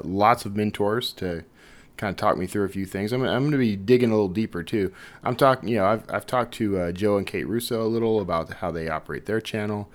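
Deep-voiced man hosting a casual podcast. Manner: chatty, informal, hesitant and digressive. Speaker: podcast host. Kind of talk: casual, rambling podcast introduction.

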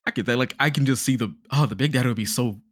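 Guy hosting a podcast, chatty and jokey, normal pitch, really dry sound. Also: rapid-fire, husky, dry recording. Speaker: podcast host. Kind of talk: casual podcast chat about games and films.

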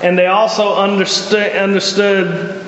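A man's voice: sits high, level tone, a little slow, fairly bright tone, slight background noise. A man with a Southern US accent teaching an informal Bible class, conversational and folksy, asking his class questions. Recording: echoey hall, dull lo-fi sound.

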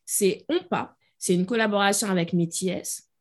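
Woman host, casual, eager fan energy, mid-pitched voice. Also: normal speed. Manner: enthusiastic, animated, self-described fangirl. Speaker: podcast host. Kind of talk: casual chat.

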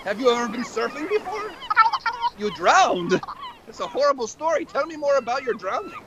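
Excitable skeleton show host, extremely high-pitched, rambling, repetitive, scatterbrained comedy banter, noisy recording. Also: male voice, normal speed. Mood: excited. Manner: rambling, repeats phrases, tags sentences with "right?". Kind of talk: improvised comedy skit banter.

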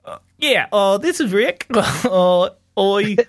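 A man putting on a goofy, halting, mock-Australian accent as a TV hero. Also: lively intonation, no room sound, studio quality. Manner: exaggerated, high-pitched, halting. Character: man's goofy over-the-top Australian-accented take on a TV hero.

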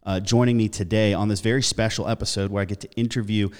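A man hosting a podcast interview, friendly and enthusiastic, often pausing with fillers. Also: on the low side, fairly even intonation, clear, resonant tone. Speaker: podcast host. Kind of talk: casual interview conversation.

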